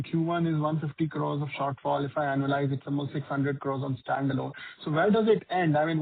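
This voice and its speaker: A man with an Indian accent puts probing, number-heavy questions as a financial analyst on an investor call. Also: fairly high pitch. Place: conference call. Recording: rough, tinny conference phone line.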